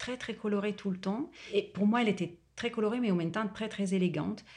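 This woman speaks in a dark, mellow tone. She varies her pitch in an ordinary way. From northern Italy, near Milan. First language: Italian (speaking French). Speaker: social worker. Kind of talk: interview. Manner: halting.

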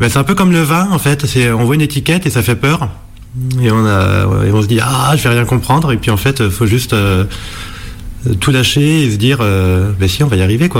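Audible room echo and noticeable background noise both come through in the recording. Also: man. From Champagne. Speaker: passer-by. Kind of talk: vox pop.

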